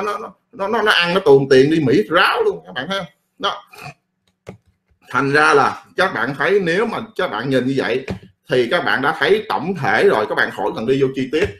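A middle-aged man rants about politics, blunt and often crude. His speech rambles and circles back on itself. He talks very fast in a slightly raised voice. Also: fairly high pitch, fairly bright tone. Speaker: political commentator. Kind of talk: casual political rant.

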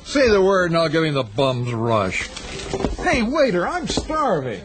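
An actor playing a loud, boastful, slangy male film director in a radio drama. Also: fairly high pitch, wildly swooping pitch, a little slow, background noise. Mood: brash. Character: brash loud American film director, pushy and friendly.

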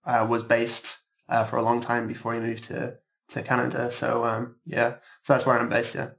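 A man's voice: medium pitch, monotone, normal speed, creaky, fairly bright tone. A man from the UK chatting casually as a composer guest, hesitant and often repeating words. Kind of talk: casual interview chat.

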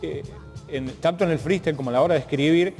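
A somewhat high-voiced man with a Cordobese Argentine accent conducts a reflective interview. He phrases things haltingly and thoughtfully, often doubling back on words. His voice rings in a big hall, with music underneath. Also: a little mellow. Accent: Cordobese Argentine Spanish. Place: large art gallery, indoors.

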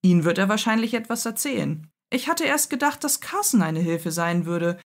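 A woman's voice: medium pitch, big pitch swings, normal speed. A woman voicing a stern, commanding aristocratic lord of the manor, impatient with his servants. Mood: puzzled.

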